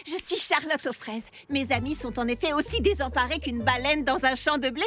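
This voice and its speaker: Woman voicing a very high, perky cartoon girl. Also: a little fast, natural voice. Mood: polite, hopeful. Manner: perky, reassuring, expressive. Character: cheerful optimistic girl baker, earnest peacemaker. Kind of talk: animated cartoon dub. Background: background music.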